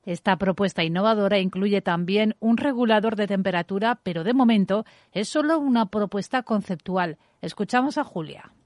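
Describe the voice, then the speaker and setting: A woman reading a radio news report in a clear, even delivery. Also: medium pitch, moderate pace, no room sound.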